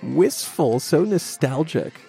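A man from Southern California with an American accent, hosting a public radio interview in a measured, articulate way. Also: a little high, animated, vocal fry, warm tone, slightly rough, faint music behind. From Southern California, USA.

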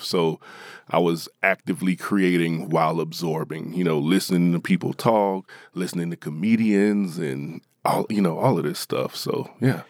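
A man's voice: deep voice, no echo, studio quality. A man from Appalachia, an author, talking casually in an interview with many fillers and easy laughs.

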